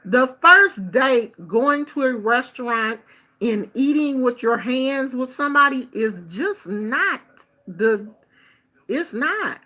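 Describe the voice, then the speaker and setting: A middle-aged woman from the United States tells a casual story with a chatty, expressive delivery. Her voice sits a little high and sounds bright, and she takes her time. She slips into other people's voices when she quotes them. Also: takes it slowly. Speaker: vlogger. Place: Bay Area.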